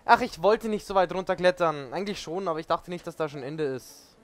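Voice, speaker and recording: A man's voice: sits high, fairly quick. A man hosting a let's play, complaining and swearing in casual gaming commentary. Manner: whiny, swearing, animated.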